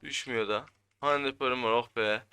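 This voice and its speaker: A man's voice: mid-range voice, steady tone, brisk. A young man giving casual gameplay commentary as a gaming YouTuber. He keeps grumbling and repeating how frustrated he is. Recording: loud background noise.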